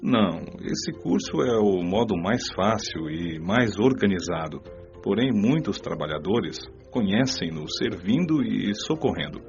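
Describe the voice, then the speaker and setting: Give a kindly Brazilian male mentor from a spiritual radio drama, played by an actor. His voice sits low and he instructs in measured phrases. The sound is somewhat dull, with music plainly underneath. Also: very animated, darkish tone. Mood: instructive, kindly. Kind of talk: audiobook radio drama dialogue.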